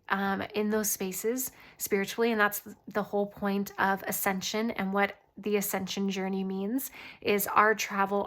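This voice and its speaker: A woman host giving a casual channeled spiritual reading, often pausing mid-thought as if listening. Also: mid-range voice, a bit bright. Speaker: tarot reader and channeler, host.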